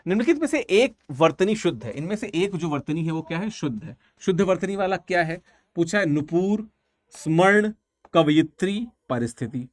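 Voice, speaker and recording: A man's voice: high-pitched, expressive, normal speed, no echo. A man teaching an online exam-prep language class, talking casually and repeating each answer several times.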